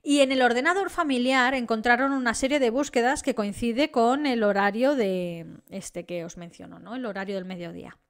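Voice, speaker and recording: A woman's voice: on the high side, normal speed, hardly any pauses. A young woman with an accent from Spain, telling a true crime story in a casual, indignant way and talking straight to her viewers. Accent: Spain Spanish. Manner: indignant, chatty, addresses viewers directly.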